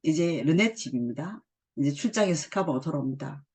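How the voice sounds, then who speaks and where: Husky-voiced woman teaching English. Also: low voice, expressive, darkish tone. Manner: reads English lines slowly, then explains them. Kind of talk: explaining drama dialogue in a lesson.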